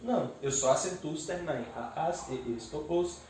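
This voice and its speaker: A man teaching a grammar lesson, explaining step by step and slowly splitting words into syllables. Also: a little high, a little mellow, distant mic, a little hiss or hum. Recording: echoey room, voice away from the mic.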